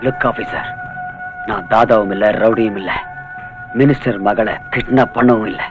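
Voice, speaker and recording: A restrained young officer. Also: male voice, medium pitch, wildly swooping pitch, phone-quality sound. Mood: defiant. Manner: slow, firm, switching to English. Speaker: police officer. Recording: film soundtrack with clear music.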